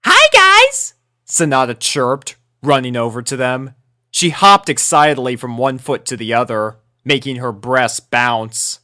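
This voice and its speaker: A woman's voice: extremely low pitch, steady tone, measured pace, a bit bright. A woman narrating a scripted story as a reader of fan fiction.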